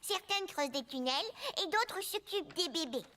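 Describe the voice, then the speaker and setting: An actor voicing a curious, gentle four-year-old boy in a children's cartoon, patiently explaining things to a younger child. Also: very high voice, lively intonation, normal speed, full character voice. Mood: proudly explaining.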